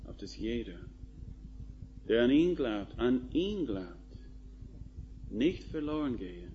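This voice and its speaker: A man preaching a sermon in a slow, emphatic style, building to rising calls to the listeners. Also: medium pitch, very animated, dark tone. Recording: dull lo-fi recording with faint noise.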